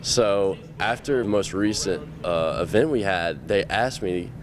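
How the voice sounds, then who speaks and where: A young man who works as a camp counselor talks eagerly in a fairly low voice, rushing and restarting his phrases. Faint outdoor noise runs behind him. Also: expressive. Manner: enthusiastic, quick, with restarts. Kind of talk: news interview.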